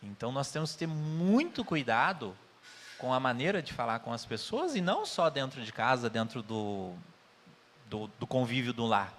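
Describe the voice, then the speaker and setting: A man's voice: medium pitch, very animated, moderate pace, a bit bright, a little hiss or hum. Earnest Brazilian man in a reverberant hall. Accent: Brazilian Portuguese. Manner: earnest, tells anecdotes with quoted dialogue. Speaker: spiritist lecturer. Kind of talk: conversational spiritist talk.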